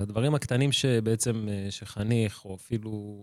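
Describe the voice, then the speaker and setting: A plain, everyday voice talks at a fairly slow pace with fairly even intonation. The recording is very clean, the background silent, and the sound dry and close with no echo. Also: man. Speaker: youth radio host. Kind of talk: radio interview.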